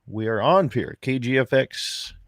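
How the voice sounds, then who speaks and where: A man hosting an outdoors radio show from his ranch porch, telling folksy jokes and opening the show in a loud, upbeat on-air voice. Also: mid-range voice, lively intonation, a little slow, no echo, clean studio sound. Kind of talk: casual chat, then radio show opening.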